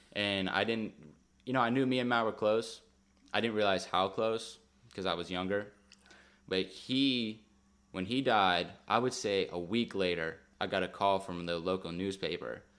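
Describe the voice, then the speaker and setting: With an American accent, the speaker moves at a moderate pace with long, frequent pauses and ordinary pitch variation, on a very clean recording with a silent background. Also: man, fairly low pitch for a man. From western Pennsylvania, Beaver Falls near Pittsburgh. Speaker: musician. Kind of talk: casual chat.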